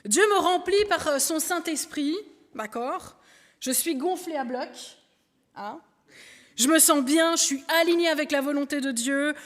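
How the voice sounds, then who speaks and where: A woman with a high, bright-toned voice preaches in a relaxed, conversational way, turning to a helper and then to the congregation. Her words ring out with a long reverb, as in a church hall. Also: normal speed. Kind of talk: sermon illustration with a balloon.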